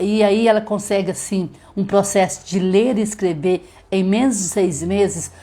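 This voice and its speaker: A woman's voice: medium pitch, a little mellow. Woman teacher, middle-aged, live-stream lesson with sound demonstrations and frequent check-ins. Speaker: literacy teacher.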